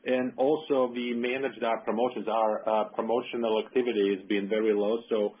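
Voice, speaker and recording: Flat, husky male finance executive. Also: fairly low pitch, a little fast. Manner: businesslike, explanatory. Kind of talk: answering analyst questions on earnings call. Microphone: telephone conference call. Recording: narrow tinny phone line.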